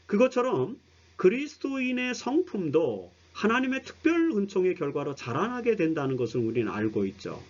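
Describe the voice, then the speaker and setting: A man's voice: on the high side, husky, highs cut off. A man teaching a broadcast Bible study lecture, explaining earnestly and speaking straight to his listeners. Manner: earnest explanatory preaching, addresses listeners directly.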